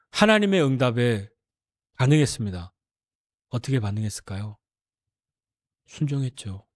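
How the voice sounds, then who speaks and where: A man's voice: medium pitch, a little mellow. A man preaching a sermon as pastor, acting out God's stern words in a raised voice and asking the congregation rhetorical questions.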